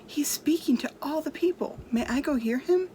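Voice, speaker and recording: A woman's voice: sits high, normal speed, slight background noise, pitched above the performer's own voice. A woman voicing an eager, curious ten-year-old boy in a children's storybook, earnest and full of questions. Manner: excited, questioning.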